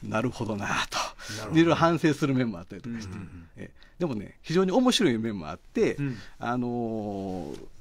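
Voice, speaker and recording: A man speaks at a moderate pace in a medium pitch. His pitch swings very widely and his loudness rises and falls sharply. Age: 50s. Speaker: blogger and film fan; radio talk show guest or host. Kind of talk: casual chat. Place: studio.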